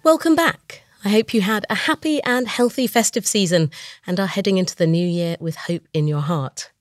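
A woman host, croaky from a chest infection, narrating a scripted science podcast with a storytelling manner. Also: medium pitch, normal speed, no room sound, studio quality, faint music behind. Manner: storytelling, lively emphasis on lists.

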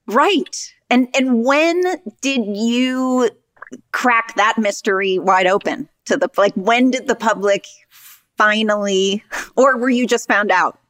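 A woman's voice: a little high, takes it slowly, fairly bright tone. A woman co-hosting a casual interview who asks questions and gives short, encouraging replies.

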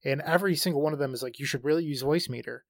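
A man's voice: a little high, very fast, no room sound. Man with a dry, close voice, explaining. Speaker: podcast co-host. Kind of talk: casual chat.

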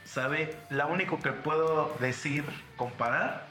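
A young Mexican man with a Mexican Spanish accent tells crude, slang-packed stories on a casual podcast. His voice sits a little high and sounds bright and forceful. The room is roomy and echoey, with music under him. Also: takes it slowly. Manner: crude slangy storytelling, acts out quotes. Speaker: podcast host. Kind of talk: casual chat.

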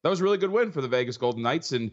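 Husky, tired man talking fast. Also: mid-range voice, animated, highs cut off. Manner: fast, stat-heavy, with frequent restarts. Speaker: betting analyst guest. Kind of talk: rapid sports betting analysis.

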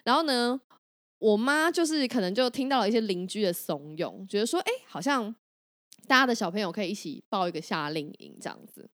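A woman from Taiwan with a Taiwanese Mandarin accent, co-hosting a podcast and telling stories in an animated, laughing way. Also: medium pitch, brisk. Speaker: podcast co-host. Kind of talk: casual chat.

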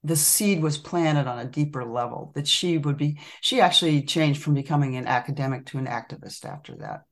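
A woman guest on a podcast, telling a story in a thoughtful, measured way. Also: sits low. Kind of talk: casual conversation.

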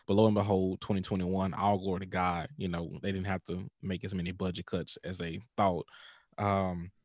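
Podcast guest: African American male, thirties, lower register, dry recording, animated informal storyteller. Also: moderate pace, no room sound. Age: 30s. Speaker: pastor and podcaster. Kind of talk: casual podcast interview.

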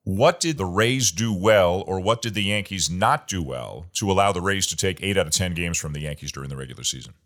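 A man hosting a sports talk show, asking his guest measured, conversational questions. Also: low voice, expressive, a bit bright. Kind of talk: interviewing a guest.

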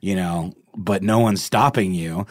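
A man's voice: deep voice, unhurried, no room sound. A man co-hosting a podcast, commenting casually in conversation. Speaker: podcast co-host.

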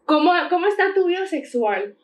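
Woman, podcast host, teasing, lively pitch, roomy echo. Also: moderate pace, a little hiss or hum. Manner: teasing, asks cheeky questions. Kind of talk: casual chat.

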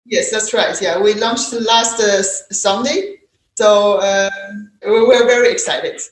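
A woman's voice: medium pitch, a little slow. Woman in her 30s w chinese accent, mandarin native, chatting as podcast guest, echoey room sound. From China. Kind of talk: conversational personal storytelling.

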